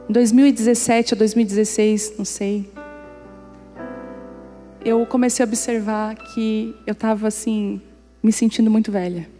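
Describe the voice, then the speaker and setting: A middle-aged woman pastor preaches and shares personal stories, acting out dialogue and joking with the congregation. Her voice leans high with a warm tone, and it carries a big-room sound.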